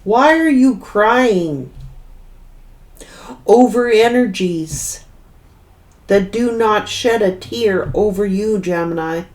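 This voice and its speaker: A woman's voice: mid-range voice, lively intonation, takes it slowly, long pauses. A woman giving a tarot reading, blunt and scolding in tone, with mild swearing and emphatic repetition. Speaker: tarot reader.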